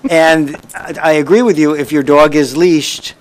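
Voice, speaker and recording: A man's voice: on the high side, a little slow, low-quality recording. A man on a township council, interjecting and stammering defensively during the meeting. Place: council chamber.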